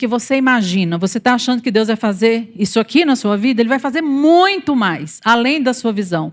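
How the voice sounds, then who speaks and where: Speaking in a Maranhão accent, a woman sounds animated, with lively intonation at a moderate pace. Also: hardly any pauses. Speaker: missionary. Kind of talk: missionary testimony in church.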